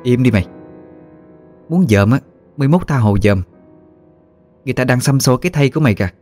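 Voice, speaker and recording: A man's voice: mid-range voice, animated, fast, a little mellow, soft background music, pitched above the performer's own voice, lightly acted. A man voicing a fierce, foul-mouthed old woman ghost who scolds coarsely. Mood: scolding.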